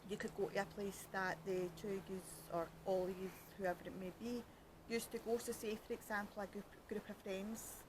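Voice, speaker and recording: Outdoors by a canal at night, a chatty Glaswegian woman from Scotland hosts a podcast, joking, mocking herself and rambling in casual conversation. She's cold, her fingers freezing, and her mid-range voice sits against a noisy background.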